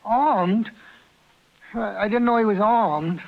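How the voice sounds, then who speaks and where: An actor playing a timid, bashful male passenger in a 1950s radio drama, speaking softly and hesitantly. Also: high-pitched, slow pace, gravelly, exaggerated voice. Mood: hushed, startled. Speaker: lead actor. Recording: muffled old 1950s radio broadcast.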